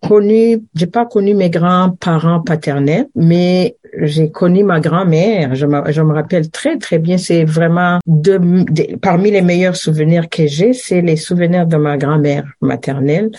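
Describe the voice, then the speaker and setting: A woman's voice: lowish voice, unhurried, few pauses, mellow. An older woman from Rwanda answering in an interview, repeating words as she gathers her thoughts and recollections. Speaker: interview guest, director of a women's centre.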